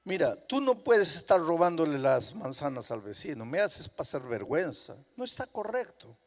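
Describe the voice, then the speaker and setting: A man's voice: a little high, big pitch swings. A man preacher voicing a stern but loving mother who firmly insists her son must face the punishment he earned. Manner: firm, measured, insistent. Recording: reverberant hall.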